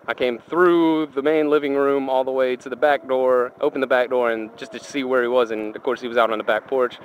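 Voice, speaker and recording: Riding his motorcycle, a man vlogs a casual, wandering story full of profanity and colloquial talk, first-person, through a helmet microphone. His voice is mid-range, the audio is poor, and engine, road and traffic noise run underneath.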